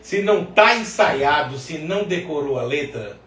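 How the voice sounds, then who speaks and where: A male podcast host chats and gives opinions with a northeastern Brazilian accent. His voice sits a little high. It is picked up from some distance in a clearly echoey room. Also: expressive, moderate pace, fairly bright tone. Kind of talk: casual opinionated chat. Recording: roomy echo, distant mic.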